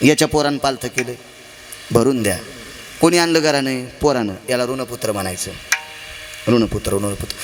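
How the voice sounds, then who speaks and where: Man preaching a kirtan, kinda high voice, big dramatic swings, asks the crowd stuff, half sings some lines. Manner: dramatic storytelling with wide swings in pitch and loudness; rhetorical questions to the audience. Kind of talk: devotional kirtan sermon.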